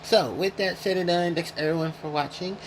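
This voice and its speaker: The gaming host's voice sits high and his pace is brisk, with background noise in the clip. Chewing as he speaks, he rambles through a casual retrospective and keeps correcting himself.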